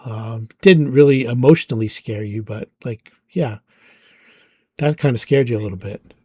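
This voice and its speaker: A man narrating a tabletop game as its game master, easygoing and halting, with many fillers. His voice sits in a middle range and is recorded close and dry, with no room sound. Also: mid-range voice, mellow, slightly rough, no echo.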